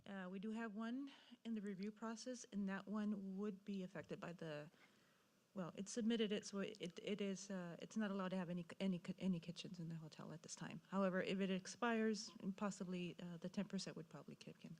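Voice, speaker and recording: A woman's voice: mid-range voice, fairly even intonation, fairly quick, darkish tone. A woman on city staff answering questions at a meeting, hesitant and restarting her sentences. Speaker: city staff member reporting.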